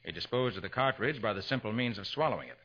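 An American actor playing a confident private detective in 1940s radio drama style, explaining things in an assured way. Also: male voice, lowish voice, expressive, fast, fairly bright tone, breathy edge, heavily acted. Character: confident male private detective, explaining how he solved murders. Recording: dull 1940s radio recording.

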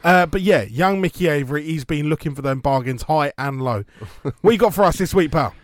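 A man's voice: a little high, expressive, a little fast, no room sound, clean studio sound. A man with a London accent hosting a radio show with cheeky, jokey banter and mock advert reads. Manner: cheeky, innuendo-laden.

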